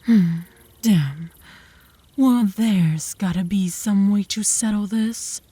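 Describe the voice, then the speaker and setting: A woman's voice: mid-range voice, slow pace, dark tone, husky, no echo. A woman playing a cocky, possessive young female werewolf who taunts her rival smugly in a comedic ASMR roleplay. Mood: pondering. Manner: smug, taunting.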